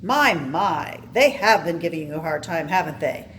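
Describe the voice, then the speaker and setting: A woman's voice: sits low, lively intonation, moderate pace, a bit bright, slight background noise. A woman voicing a condescending older male school official from a comic book, dismissive and patronizing.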